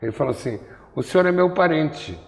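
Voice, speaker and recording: An older Brazilian man with a slightly high, animated voice talks fairly quickly in a rambling conversational interview, recorded on a lapel mic in an artist's studio. He tells wry, digressive stories, and the sound has the feel of a large hall.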